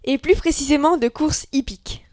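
A woman's voice: high voice, normal speed, darkish tone, dry recording, studio quality. A young woman co-hosting a scripted debate show, matter-of-fact and teasing. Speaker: co-host.

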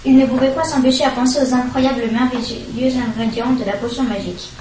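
A woman reading a children's storybook aloud, lively and expressive. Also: on the high side, brisk, echoey room, far from the mic, slight background noise, rough recording. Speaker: reader.

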